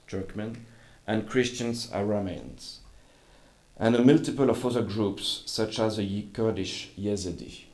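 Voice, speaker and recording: A man, a journalist and scholar giving a formal conference lecture in careful, measured English. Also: lowish voice, a little mellow. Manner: careful, measured delivery with an apology for his accent.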